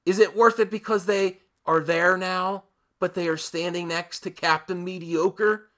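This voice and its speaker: Male commentary host, sharp and intense tone, unhurried delivery, punchy emphasis, opinionated rant style. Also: sits high, steady tone. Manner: emphatic, with dramatic pauses and repeated phrases. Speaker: host of a movie commentary channel.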